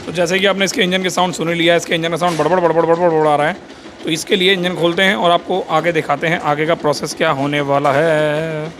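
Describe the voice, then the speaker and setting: A man with a high voice talks fast through a casual motorcycle workshop walkthrough. He repeats his points as he points things out on the bike, and faint workshop noise sits under his voice. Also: flat delivery. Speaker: motorcycle mechanic and channel host.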